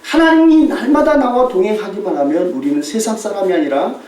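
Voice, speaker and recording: A Korean pastor with a high, brisk male voice preaches a sermon that includes a mission report, animatedly telling stories, mimicking shouting tourists, and laughing frequently. The recording comes from an echoey church sanctuary on a distant mic, with crowd noise in the background.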